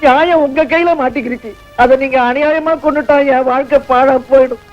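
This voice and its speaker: A man's voice: very high voice, fairly even intonation, fairly quick, faint music behind. An actor playing a retired male schoolteacher, older, earnestly pleading with a police officer. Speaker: retired school teacher robbed of savings. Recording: dull old film soundtrack.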